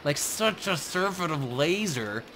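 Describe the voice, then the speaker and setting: A man's voice: a little high, very animated, measured pace, noisy background. A young man co-hosting a gaming video, chatting casually and riffing with jokes and wordplay while watching an arcade game. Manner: jokey, riffing, playful wordplay. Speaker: co-host of a gaming show. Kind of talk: casual let's-play banter.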